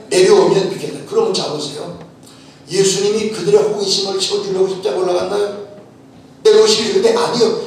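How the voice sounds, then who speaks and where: A man's voice: high voice, darkish tone. A male pastor preaching a sermon with emphasis, often telling listeners to listen closely and asking rhetorical questions. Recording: echoey hall from far off, faint noise.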